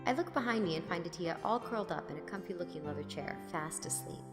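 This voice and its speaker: A woman's voice: lowish voice, lively intonation, fast talker. An actress playing a weary, haunted young woman who narrates her own story in an audio drama, intimately and expressively. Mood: weary, fond. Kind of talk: first-person audio drama narration, acted. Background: prominent music.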